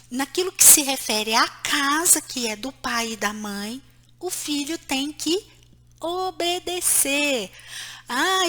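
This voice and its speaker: A woman psychologist, giving an online lesson on parenting and explaining calmly while she points to places on a diagram. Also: high voice. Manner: acts out short quoted lines between mother and child.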